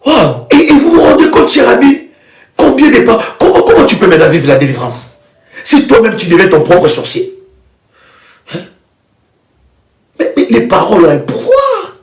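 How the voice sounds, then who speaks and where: A man preaching in a live prayer broadcast, with fervent, repetitive declarations and bursts of shouting. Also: high voice, huge pitch swings, normal speed, long pauses. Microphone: live video stream. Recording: echoey room with soft music.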